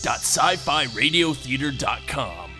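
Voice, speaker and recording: A man's voice: mid-range voice, big pitch swings, a little slow, sharp tone. A man reading scripted introductions and narration as the announcer of a radio play podcast. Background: music.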